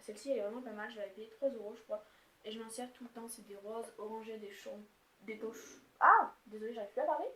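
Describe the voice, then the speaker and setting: Talking fast in a slightly high, bright voice with a forceful tone, a young woman vlogs about her makeup palettes, swatching them as she chats casually and rambles, full of fillers and restarts. It's recorded on the camera's built-in mic in an echoey room with faint background noise.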